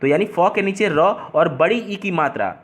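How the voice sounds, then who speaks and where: A man's voice: high-pitched, animated, a little slow. A man working through an exam paper as a tutor, explaining step by step and restating each term in simpler words.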